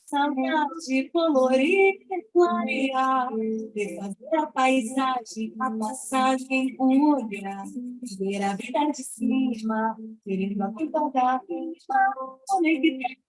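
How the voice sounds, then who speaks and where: A woman's voice: high-pitched, takes it slowly, soft background music, low-quality recording. A woman singing a song, accompanied by a small band with flute riffs.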